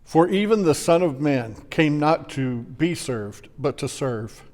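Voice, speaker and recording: A man, a pastor, reading scripture solemnly with measured, deliberate phrasing. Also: a little high, lively intonation, a little mellow. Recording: long echoing reverb.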